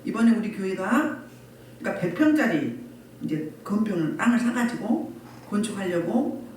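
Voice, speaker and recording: A woman pastor delivers her sermon with a rising and falling, animated voice, prodding her listeners with questions again and again. She sounds distant from the microphone in a strongly echoing church room, with faint noise underneath. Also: mid-range voice, normal speed. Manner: repeated rhetorical questions to the congregation. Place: church sanctuary. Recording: echoey room from far off.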